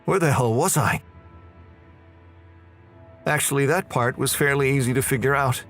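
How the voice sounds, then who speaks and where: An actor playing a bewildered, uneasy man narrating his horror story in a deliberate, measured way. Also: mid-range voice, a bit bright, natural voice. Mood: bewildered, alarmed. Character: bewildered, uneasy man waking in strange prison. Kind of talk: dramatized horror audio narration. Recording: faint music under the voice.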